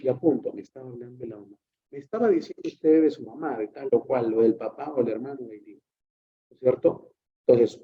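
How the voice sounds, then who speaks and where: A man's voice: medium pitch, dark tone, muffled recording. A man with a Peruvian Spanish accent giving a psychology lecture, chatty and digressive, acting out bits of dialogue between therapist and patient. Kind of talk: classroom lecture.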